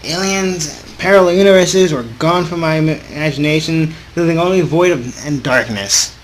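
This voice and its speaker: A man hosting a gaming video, reading a visual novel aloud in an informal, halting way with casual off-script asides. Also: a little high, poor audio. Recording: clearly audible background noise.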